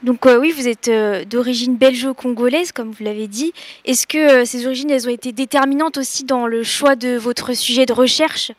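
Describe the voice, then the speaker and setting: A woman's voice: a little high, fairly even intonation, normal speed, no echo. A woman hosting a radio show, reading a scripted introduction and then asking her guest careful, slightly hesitant questions. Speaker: radio host.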